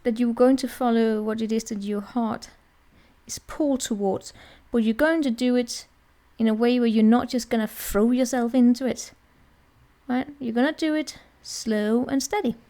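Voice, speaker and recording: A woman's voice: fairly high pitch, steady tone, moderate pace, mellow. A woman giving a casual tarot reading in a chatty, rambling way, often checking in with the listener. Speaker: tarot reader.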